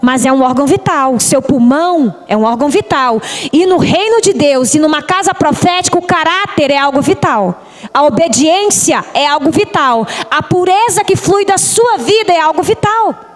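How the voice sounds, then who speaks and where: A woman's high-pitched voice with a slight Espírito Santo accent, at a moderate pace, with very wide pitch swings and very even loudness over noticeable background noise. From Brazil, Vitória, Espírito Santo. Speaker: prophetess, preacher. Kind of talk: sermon.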